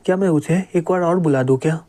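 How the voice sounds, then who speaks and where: Man reading a threatening young security chief; mellow tone, a touch high. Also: quick pace, natural voice. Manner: blustering, threatening.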